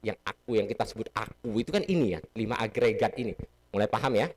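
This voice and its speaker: A man's voice: lowish voice, quick pace, darkish tone. A man giving a casual Buddhist sermon in a temple hall, teaching playfully and asking the audience questions. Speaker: Buddhist dharma speaker.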